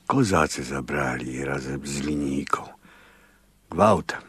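An actor playing a fervent, sorrowful Catholic priest in a radio drama, solemn and pleading in a husky, gravelly voice. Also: male voice, a bass voice, slow, no room sound, full character voice. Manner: solemn, pleading, hushed at times.

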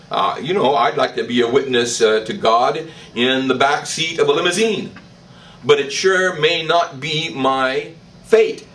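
An older man, a priest, preaching a sermon in church, slow and emphatic, with declarations that rise in pitch. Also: a bit bright, recorded from a distance, rough recording. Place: church, indoors. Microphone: stand mic in front.

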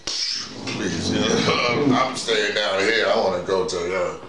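A man's voice: fairly low pitch, slow, background noise. A middle-aged man leading an informal discussion, making his points emphatically with repetition and acted-out examples. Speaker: audio drama workshop leader. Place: small bedroom with bare walls. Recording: roomy, echoey indoor sound.

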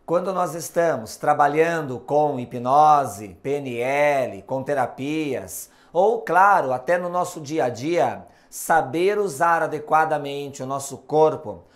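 A man with a Brazilian Portuguese accent teaching a recorded video lesson on communication and hypnosis, speaking slowly and deliberately with clear emphasis. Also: a little high. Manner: slow, deliberate explanatory delivery with emphasis.

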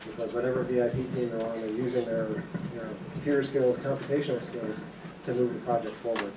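A man's voice: mid-range voice, level tone, moderate pace. A man in his fifties giving a guest lecture, explaining steadily into a handheld mic with "you know" fillers. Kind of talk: explanatory talk. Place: university seminar room. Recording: echoey room from a distance, clear background noise.

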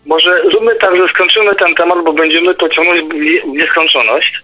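Male radio discussion guest, middle-aged, fairly high voice, thin telephone sound, halting and repetitive thinker. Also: steady tone. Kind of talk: casual debate and musing. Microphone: phone or internet call. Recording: tinny phone line, faint music behind.

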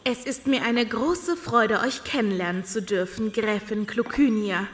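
An actress playing a maharani in an audio drama, with a formal, courtly manner. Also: female voice, on the high side, unhurried, close to an everyday voice. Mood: courteous. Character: formal maharani, a royal second wife. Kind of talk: German audio drama acting. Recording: reverberant hall, faint noise.

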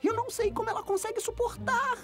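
A tiny, jittery cartoon repairman talks in an extremely high voice with a Brazilian accent. He is gullible, excitable and pleading, over background music. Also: fast talker. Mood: defensive, spooked. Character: jittery, gullible little male berry-creature repairman. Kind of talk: animated cartoon dub. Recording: music behind the voice.

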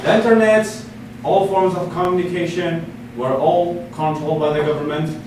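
A young man from Iraq lectures from a podium in a meeting room, his voice set a little high. He speaks earnestly and often restarts his phrases. He sounds distant from the mic, with heavy room echo and a steady hiss of noise behind him. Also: normal speed. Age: 20s. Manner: earnest, with frequent restarts and fillers. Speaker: guest speaker. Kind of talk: public lecture. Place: meeting room with a seated audience. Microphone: podium mic from far camera.

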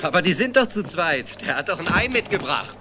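An actor playing a matter-of-fact helper in a children's audio drama, reasoning emphatically. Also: male voice, a little high, big pitch swings, fairly quick, over music.

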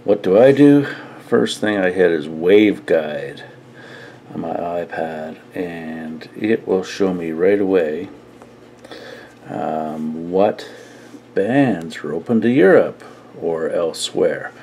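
Casual male hobbyist, deep voice, very leisurely delivery, faint noise in the room. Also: lively intonation, slow pace, dark tone. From Canada. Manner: unscripted, thinking aloud. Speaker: radio hobbyist. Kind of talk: casual demonstration to camera. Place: indoor radio desk at home.

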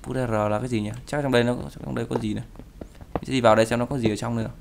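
A man's voice: mid-range voice, fairly even intonation, rapid-fire, gravelly, background noise. A young man giving playful Minecraft commentary, breaking into mock-dramatic wailing and pleading. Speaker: gaming YouTuber. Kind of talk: Minecraft let's play commentary.

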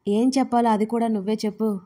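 A calm, protective young man comforts someone in a gentle, reassuring way, as a woman reads him aloud. The voice stays fairly high and mellow, with a very level, even delivery. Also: fast talker, natural voice.

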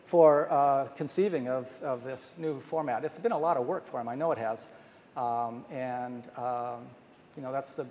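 A man's voice: medium pitch, gravelly, a little mellow. Older man lecturing in a ballroom. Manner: earnest, thinking aloud with many restarts. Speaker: speaker presenting research. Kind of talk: academic conference talk. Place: large hotel ballroom, at a podium. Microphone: podium microphone. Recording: long hall reverb, faint noise.

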